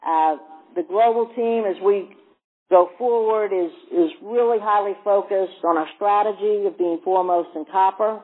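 A male company executive presenting on an earnings call in a halting way, often repeating words. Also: high-pitched. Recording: tinny narrow phone-line sound.

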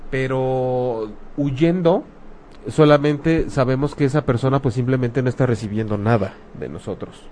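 A man with a Mexican accent speaks in a relaxed, conversational way. His talk is frank and colloquial, full of slang and rhetorical questions, at a middle pitch. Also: normal speed, slight background noise. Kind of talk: casual talk about grief.

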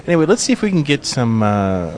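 A man's voice: mid-range voice, sing-song, quick pace. A man hosting a podcast, chatting casually with theatergoers in a theater concourse, upbeat with lots of fillers. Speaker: podcast host interviewing theatergoers. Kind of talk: casual on-location interviewing.

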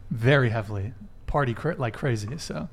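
A man's voice: medium pitch, moderate pace. A man hosting a live dating talk show, joking and teasing his panel guests, talking in loose, rambling sentences. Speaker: podcast host. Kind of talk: casual live-stream chat.

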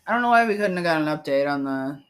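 Hoarse, fast-talking podcast co-host. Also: medium pitch, animated. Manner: blunt, swears casually, short reactions. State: losing their voice. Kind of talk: casual podcast chat. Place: home.

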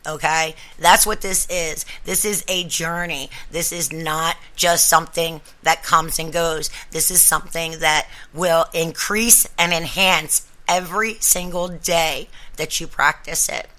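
A woman's voice: deep voice, steady tone, a little slow, hardly any pauses, bright, forceful tone. A woman hosting a podcast, talking casually and directly to her listeners in an encouraging, instructive way. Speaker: podcast host.

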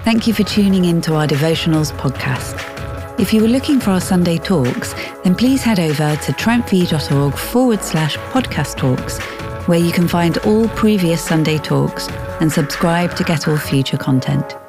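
A woman reading a scripted Christian devotional in a measured, earnest way. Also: on the low side, lively intonation, music in the background. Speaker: podcast host and devotional reader.

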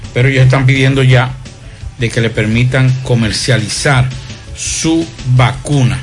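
A man's voice: medium pitch, vocal fry. A Dominican man hosting a radio show, giving news commentary off the cuff. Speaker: radio host.

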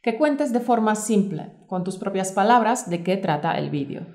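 Female teacher, co-host, reading a course script clearly and evenly. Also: medium pitch, animated, moderate pace, a little mellow. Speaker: Spanish teacher, podcast co-host.

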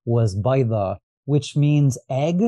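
A man's voice: medium pitch, slow pace, dark tone, no room sound. A man from Los Angeles, a guest on an astrology podcast, talking in a casual, reflective way with many restarts. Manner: reflective, rambling, frequent restarts and fillers. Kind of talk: casual conversational interview.

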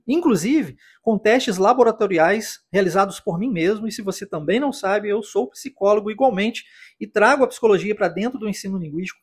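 A man's voice: sits high, breathy edge. A man from Brazil teaching English on a podcast, explaining patiently and encouraging the listener, often checking in with short tag questions. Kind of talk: podcast lesson addressing listener.

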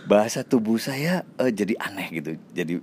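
A man's voice: fairly low pitch, fairly quick, a little hiss or hum. A man, an actor, casually telling an anecdote in an interview, acting out the other people's lines in changing voices. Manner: acts out quoted dialogue in changing voices; relaxed, chatty, with fillers and self-laughs.

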